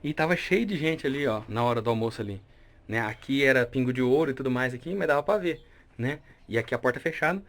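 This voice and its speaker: A young man with a Brazilian Portuguese accent tours his grandparents' old house, sharing family memories in casual, nostalgic stories. His medium-pitched, fairly bright voice is lively and fast, and he often ends lines with a question tag.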